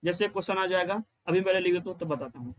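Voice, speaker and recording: Explaining step by step in a high voice, a male teacher runs an exam-prep grammar lesson. He repeats the key lines, asks questions he then answers, and intones the rules in a slow sing-song chant.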